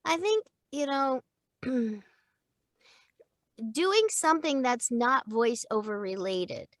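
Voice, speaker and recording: An older woman, a voice actor, chatting about her work in an animated, laughing way from a recording booth. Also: high voice, slow pace, no room sound, clean studio sound. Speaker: voice actor guest. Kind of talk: casual interview chat. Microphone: studio microphone.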